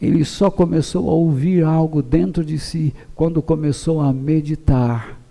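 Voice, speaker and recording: A middle-aged Brazilian pastor preaching a fervent sermon in a high, ringing voice. He speaks slowly and deliberately, letting each phrase land. His delivery swings from shouted climaxes to low, quiet stretches. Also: gravelly. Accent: Brazilian Portuguese. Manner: impassioned, shouting at peaks then dropping low and calm. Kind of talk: passionate sermon.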